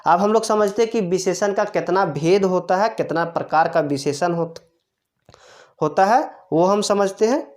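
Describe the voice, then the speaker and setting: This woman's voice sits on the low side, a little mellow, at an ordinary speed. As a grammar teacher explaining in classroom style, she proceeds step by step, poses and answers rhetorical questions, and repeats the key terms.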